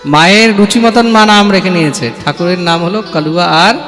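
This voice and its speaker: A man's voice: sits high, brisk, fairly bright tone. A male preacher giving a devotional sermon, chanting verses and calling out for responses from his listeners. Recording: reverberant hall with music.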